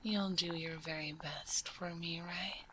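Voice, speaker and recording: A woman voicing a gentle, caring witch healer in an ASMR roleplay, whispering softly and soothingly close to a binaural microphone. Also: fairly low pitch, steady tone, slight background noise. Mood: tender, reassuring. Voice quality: soft, breathy whisper. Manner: soothing, unhurried, nurturing. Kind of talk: ASMR roleplay, addressing the listener.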